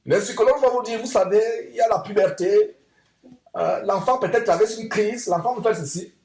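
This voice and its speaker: A man with a high voice preaches emphatically to his congregation, repeating lines and asking rhetorical questions. The sound is echoey, as in a church hall. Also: fairly quick, a little mellow. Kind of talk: sermon.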